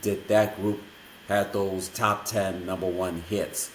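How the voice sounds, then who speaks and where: A man's voice: deep voice, little pitch movement, takes it slowly, slight background noise. A man hosting a podcast interview, explaining a countdown segment in an announcer-like, list-reading way. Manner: announcer-like, reads a long list of questions. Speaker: podcast host. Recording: echoey room.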